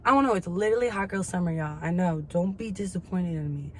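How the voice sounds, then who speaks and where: A woman's voice: lowish voice, quick pace, darkish tone. A woman in her twenties talking candidly in a casual confessional chat, slangy and swearing freely. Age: 20s. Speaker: vlogger. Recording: clear background ambient noise.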